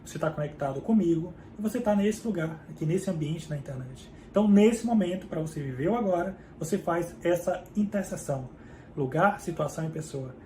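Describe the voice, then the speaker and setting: A man's voice: a little high, lively intonation, fairly quick, darkish tone. A man with a Brazilian Portuguese accent hosting a casual book summary, explaining in a conversational way and often checking in with the listener. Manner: conversational, keeps checking in with "tá?" and "certo?". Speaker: book summary channel host. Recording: echoey room with faint background hum.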